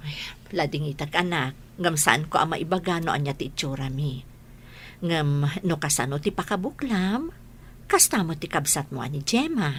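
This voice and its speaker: A woman's voice: deep voice, expressive, normal speed, slight background noise. A woman voicing a loving mother in an audio drama, speaking patiently and tenderly.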